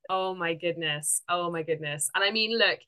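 A woman's voice: fairly low pitch, normal speed, bright, forceful tone, clear, resonant tone. A woman hosting a podcast interview, her voice stuffy from a cold, gushing and enthusiastic, laughing often. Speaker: podcast host. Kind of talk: casual interview chat.

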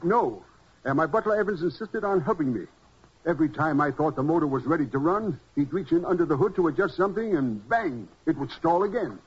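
An actor playing an anxious, courteous gentleman who collects books, flustered and apologetic, in 1940s radio style. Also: a little high, animated, brisk, breathy edge. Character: anxious, polite gentleman book collector, male. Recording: muffled 1940s radio recording.

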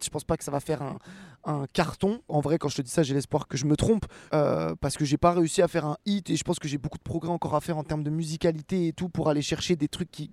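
A man in his twenties from France, an actor and rapper answering interview questions in a relaxed, rambling way with many fillers and restarts. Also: high-pitched, no room sound, studio quality. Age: 20s.

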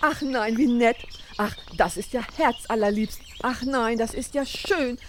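A woman's voice: on the high side, a little slow, a little hiss or hum, close to an everyday voice. A woman playing a chatty, intrusive elderly lady in a radio drama, gushing in an old-fashioned way. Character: chatty nosy elderly woman on a park bench.

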